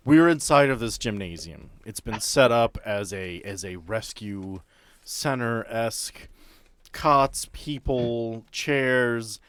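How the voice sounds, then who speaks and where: A man with a mid-pitched voice hosts a tabletop game podcast as game master. He shifts between casual banter and storytelling narration. The sound is dry and close. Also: slow pace, a bit bright, clear, resonant tone, no echo.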